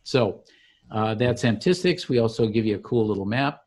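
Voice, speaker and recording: A man founder demonstrating his software tool step by step in an easygoing, explanatory way. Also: medium pitch. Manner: relaxed, explanatory, slows to show steps. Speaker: software founder giving a demo. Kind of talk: walkthrough of an online tool.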